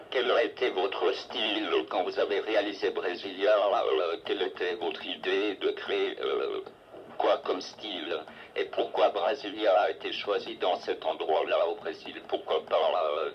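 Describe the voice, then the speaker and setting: Male interviewer, very low voice, hesitant questions, dull lo-fi tape, faint hiss. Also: fairly even intonation, a little slow.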